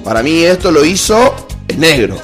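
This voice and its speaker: Animated Argentine man, slightly high voice, chatty co-host storytelling with music underneath. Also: normal speed. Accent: Argentine Spanish. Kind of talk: casual live-stream chat. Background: music playing.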